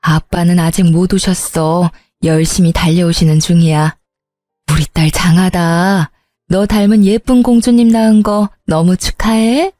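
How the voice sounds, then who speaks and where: A woman voicing a caring middle-aged mother who talks softly and soothingly to her daughter. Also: fairly low pitch, steady tone, a little slow, no echo, faint music behind, close to an everyday voice. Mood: tender. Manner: soft and soothing.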